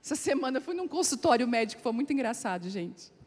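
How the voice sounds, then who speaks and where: A woman pastor giving a lively sermon, telling personal stories and acting out the voices of the people in them. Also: a little high, quick pace. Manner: animated storytelling, acting out quoted voices. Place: church meeting hall. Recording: long hall reverb, faint music.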